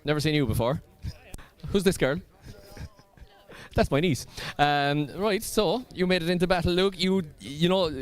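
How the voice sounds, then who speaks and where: An Irish man presenting at a drift event, walking the pits and chatting with drivers in an upbeat way. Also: a little high. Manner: chatty, upbeat, fills with ums. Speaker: pit lane presenter. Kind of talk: live event pit-walk interviews.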